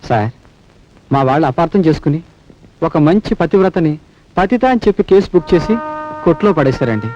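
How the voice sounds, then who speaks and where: Actor doing a timid kind constable, high voice, fast pleading talk, dull film soundtrack with music. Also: male voice, lively intonation, darkish tone, slight background noise, natural voice. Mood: deferential. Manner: deferential, pleading. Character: meek, kind-hearted male village constable. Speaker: police constable.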